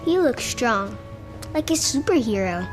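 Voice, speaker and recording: A woman's voice: fairly high pitch, sing-song, unhurried. A woman voicing a curious, chatty little boy who is a hospital patient, talking sweetly and earnestly. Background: music.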